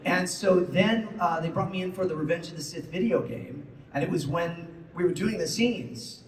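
A man's voice: high voice, normal speed. A man on a convention panel telling playful anecdotes into a handheld mic, slipping into character voices. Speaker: voice actor panelist. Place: large convention hall. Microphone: handheld mic, filmed from the audience over the PA. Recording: echoey hall from far off with noise.

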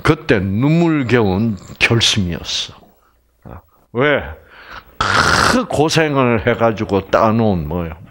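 On stage in a big lecture hall, an older man delivers a health lecture in a fairly low voice, taking his time. His delivery is lively, alternating exclamations with hushed asides.

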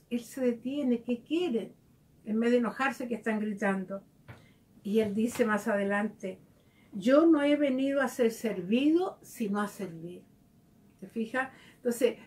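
A woman's voice: on the high side, darkish tone. A woman giving a devotional reflection, speaking conversationally and asking her listeners direct questions. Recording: voice heard from a distance.

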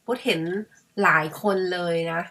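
A middle-aged Thai woman vlogs casually to camera, speaking a little slowly with a sharp tone. She's chatty and musing, and she calls herself by her own nickname.

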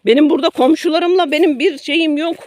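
A woman's voice: high voice, fast talker, a little mellow, no room sound. A middle-aged woman vlogging from her garden to her followers, talking emotionally, first indignant, then apologetic, often repeating herself. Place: garden by a road near woods.

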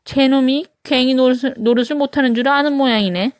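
Storybook grandmother played by a woman: old, rural, blunt, scolding, high-pitched. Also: steady tone, brisk, no room sound, clean studio sound, natural voice. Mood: grumbling. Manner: blunt, scolding, rustic wording.

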